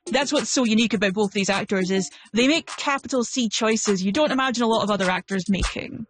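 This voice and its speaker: A woman's voice: medium pitch, brisk, a little hiss or hum. A woman giving film commentary as a pop culture critic. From Scotland. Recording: music under the voice.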